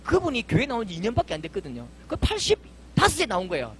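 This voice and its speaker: A man's voice: high voice, huge pitch swings, fast, fairly bright tone, a little hiss or hum. A middle-aged male pastor, preaching a fervent, emphatic sermon full of vivid stories.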